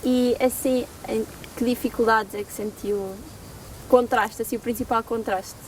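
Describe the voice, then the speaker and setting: Woman, interview host, high voice, short friendly questions, faint hiss. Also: fairly even intonation, unhurried. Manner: brief, friendly prompts and follow-up questions. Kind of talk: hosting an interview.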